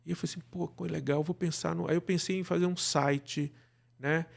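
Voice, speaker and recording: A middle-aged Brazilian man with a fairly high voice talks as a podcast guest. He rambles in a casual, conversational way and often tags his thoughts with small check-in questions. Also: steady tone, fairly quick, vocal fry.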